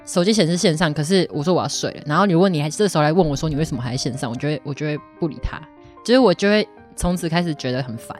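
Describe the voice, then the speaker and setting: 一位带台湾口音的女主持人，在轻松闲聊，说话直率爱调侃，常笑。. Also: female voice, sits low, racing, a little mellow, faint music behind. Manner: teasing, frank, laughs a lot. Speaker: co-host. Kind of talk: casual chat.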